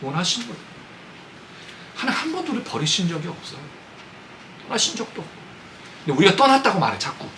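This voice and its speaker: A man's voice: high voice, very animated, quick pace, pauses often, noisy background. A man preaching a Sunday sermon, talking conversationally and asking his congregation questions. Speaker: pastor. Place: church sanctuary.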